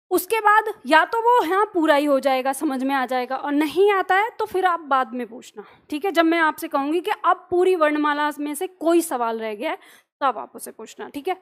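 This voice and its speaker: Woman teacher, very high pitch, patient, explains step by step. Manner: patient, explanatory, often checks in with listeners. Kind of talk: classroom lesson.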